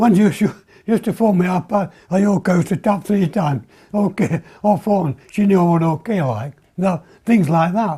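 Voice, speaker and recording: In a Yorkshire accent, a man with a high pitch and a dark, mellow tone speaks at a moderate pace with ordinary pitch variation. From Barnsley, South Yorkshire. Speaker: retired miner. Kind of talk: interview answer.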